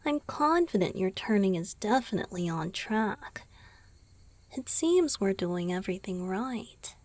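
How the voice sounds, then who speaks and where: A woman voicing a gentle, teasing, affectionate young male vampire boyfriend in a breathy, intimate ASMR roleplay. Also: mid-range voice, animated, no echo, close to an everyday voice. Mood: playful reassurance. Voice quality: breathy, mostly whispered. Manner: slow, intimate, soothing, softly teasing.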